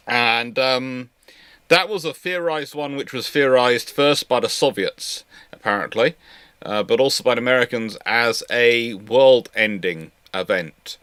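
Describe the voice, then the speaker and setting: A man in casual live-stream discussion, speaking haltingly and often repeating and restarting his phrases. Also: medium pitch, fairly bright tone, clear, resonant tone, dry recording. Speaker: host of a live history Q&A stream.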